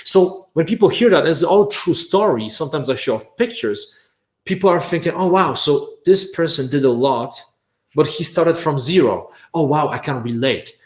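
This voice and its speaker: A Polish man, whose first language is Polish, runs an energetic online workshop about making courses, driving points home with "right?" and a repeated "bam". His voice sits on the high side, his pace is moderate, and the sound is roomy.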